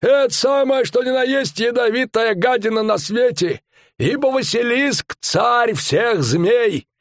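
A boastful, bellowing fairground barker with rustic old-fashioned speech, drawing out his words to draw a crowd. His voice sits very high and swings wildly up and down. The sound is dry and close. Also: animated, dry recording, exaggerated voice. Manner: bellowing, drawn-out showman's patter. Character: loud middle-aged male fairground barker, boastful.

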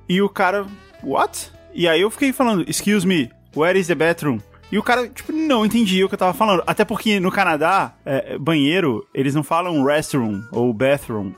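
Quick-speaking Brazilian podcast host. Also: male voice, fairly high pitch. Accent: Brazilian Portuguese. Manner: eager questioning, chatty storytelling. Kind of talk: casual podcast interview.

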